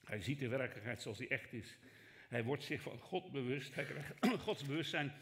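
A man preaching a sermon as pastor, emphatic and rhetorical, swinging from raised to hushed delivery and speaking straight to his listeners. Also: medium pitch, animated, moderate pace. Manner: rhetorical, addresses listeners directly.

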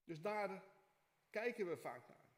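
A man preaching from the pulpit, his voice a touch higher than most. He reads the scripture with lively expression, then slows into soft, halting prayer. The sound carries a long church reverb. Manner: reads scripture expressively, prays softly with hesitations. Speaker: pastor. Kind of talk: sermon with scripture reading and prayer. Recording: echoey church hall.

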